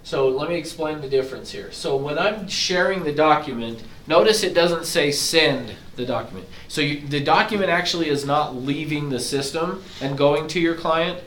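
A somewhat higher-pitched man teaching a class of agents, casual and self-deprecating as he explains each step. His voice is getting hoarse. He sounds roomy and set back from the microphone, with a faint hiss underneath. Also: normal speed, hardly any pauses, fairly bright tone. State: losing his voice, throat-clearing. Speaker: real estate agent trainer. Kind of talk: software training walkthrough. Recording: echoey room from far off, faint hiss.

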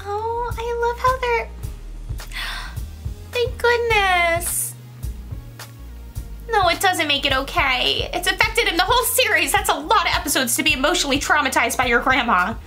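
A woman reacting to a show as she watches it, her voice high and bright. She gasps and gushes excitedly in casual commentary, with faint music playing underneath. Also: fairly quick, few pauses. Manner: gushing, excitable gasps and exclamations. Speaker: reaction video creator.

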